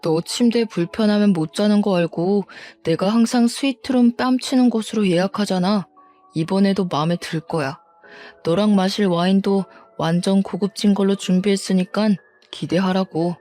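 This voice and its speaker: A woman voicing a quick-tempered, defensive cheating husband, talking back with contempt and bluster in a storybook drama reading. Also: medium pitch, dark tone, faint music behind, lightly acted. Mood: smug.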